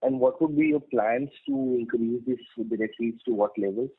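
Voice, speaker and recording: A man's voice: medium pitch, very animated, normal speed, vocal fry, slightly rough. A man, an analyst, asking follow-up questions on an earnings call, precise and inquisitive. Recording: tinny phone line.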